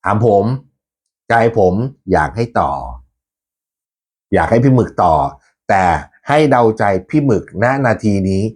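A man's voice: lowish voice, expressive, a little slow, a little mellow, husky. A man hosting a football fan channel, chatting casually to his viewers in a rambling way, laughing often and swearing a little. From Thailand.

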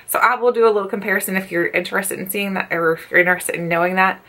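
A woman's voice: medium pitch, fairly even intonation, rapid-fire, sharp tone. A woman in her thirties giving a casual, chatty and candid product review to camera, recorded indoors in a bedroom. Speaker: beauty vlogger.

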